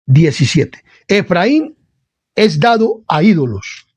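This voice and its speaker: A man's voice: sits high, very animated, slow, breathy edge, no room sound. A man preaching an informal sermon to an online channel, blunt and hard-edged, who keeps addressing his listener as dear friend and brother. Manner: insists he is not angry while speaking forcefully. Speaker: lay preacher.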